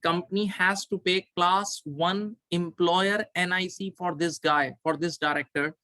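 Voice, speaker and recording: A man's voice: high voice, steady tone, measured pace, pushed and bright, dry recording. A man teaching a live online exam revision class as an accounting tutor, instructing step by step and repeating key phrases for emphasis.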